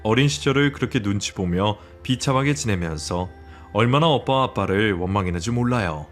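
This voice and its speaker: A man giving scripted story narration in a calm, measured manner. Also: lowish voice, faint music behind.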